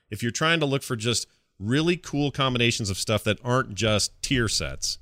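A man's voice: medium pitch, bright, forceful tone, no room sound, studio quality. A man co-hosting a gaming podcast in a casual, conversational style. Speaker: podcast co-host.

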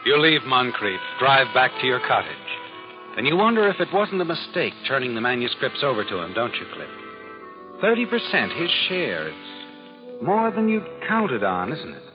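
A man's voice: medium pitch, huge pitch swings, moderate pace. A man playing an all-knowing, taunting narrator of crime tales on 1940s radio, insinuating with needling questions. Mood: taunting, ominous. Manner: insinuating, second-person questioning. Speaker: narrator and host. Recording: muffled old radio, loud music behind.

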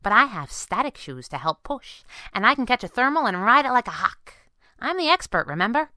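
Woman voicing a perky young superhero sidekick girl, high-pitched. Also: big pitch swings, fairly quick, bright, forceful tone, dry recording, full character voice. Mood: breezy, cocky. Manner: playful, perky, coy. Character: young female flying-squirrel superhero sidekick, teasing, eager.

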